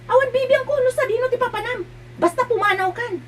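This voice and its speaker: A woman's voice: very high voice, quick pace. A woman playing a stern young mother in an audio drama, speaking firmly and insistently. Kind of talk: amateur drama acting. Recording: distant mic with loud hum.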